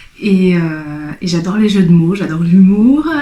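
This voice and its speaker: Noticeable background noise sits behind this woman's voice. She speaks at medium pitch with ordinary pitch variation. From France, Lyon. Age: 30s. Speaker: sewing youtuber. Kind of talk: casual vlog answering tag questions. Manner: hesitant, many fillers.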